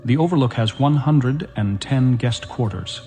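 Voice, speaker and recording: A man voicing a fussy, scholarly male hotel manager who lists rooms in a precise, deliberate way. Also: mid-range voice, dark tone, pitched below the performer's own voice, natural voice. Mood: pompous. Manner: precise, deliberate tour-guide delivery. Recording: music playing under the voice.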